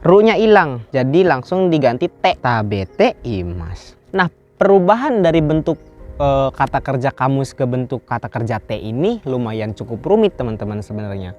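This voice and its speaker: A man from Indonesia teaching Japanese in a casual lesson, explaining step by step and slowing down to repeat phrases. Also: medium pitch, lively intonation, a little mellow, dull audio, faint music behind. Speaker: Japanese language teacher, channel host.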